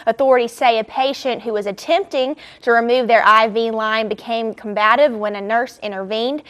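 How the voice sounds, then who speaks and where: A woman's voice: on the high side, steady tone, normal speed, a bit bright. A young woman anchoring a student newscast, delivering scripted state news evenly. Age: young adult.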